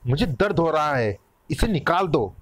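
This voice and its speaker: A man voicing a small, cheeky, giggly little girl with a high, childlike voice. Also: big pitch swings, moderate pace, dry recording. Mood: pleading.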